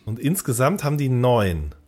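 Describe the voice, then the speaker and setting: Guy in his 30s explaining stuff on a chatty podcast, normal mid pitch. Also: big pitch swings, moderate pace, darkish tone, slightly rough. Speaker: podcast co-host. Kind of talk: casual podcast chat.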